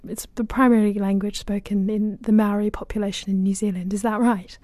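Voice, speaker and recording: A woman's voice: mid-range voice, flat delivery, fairly quick, warm tone, dry recording. A woman hosting a books podcast, asking enthusiastic, slightly hesitant questions. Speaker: podcast host. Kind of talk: podcast interview.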